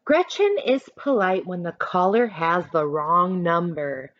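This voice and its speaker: A woman teacher reading aloud to children, adding chatty instructive asides in an expressive manner. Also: on the low side, unhurried, dry recording, dull audio. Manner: expressive, instructive, acts out short examples.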